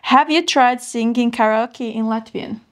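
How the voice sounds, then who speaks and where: A woman's voice: a little high, unhurried. A woman hosting a podcast interview, upbeat and encouraging, with lots of small agreeing hums. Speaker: host.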